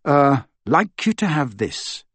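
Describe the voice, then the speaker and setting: A man voicing a kind but firm young male wizard, speaking gently with hesitant pauses. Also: fairly high pitch, very animated, slightly rough, no room sound, voice pushed up, exaggerated voice. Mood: coaxing.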